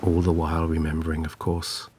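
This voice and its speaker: A man narrating a scripted guided sleep meditation in a soothing, gentle, measured way. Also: extremely low pitch, completely flat delivery, slight background noise. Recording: clear background ambience of waves. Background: relaxing ocean wave sounds.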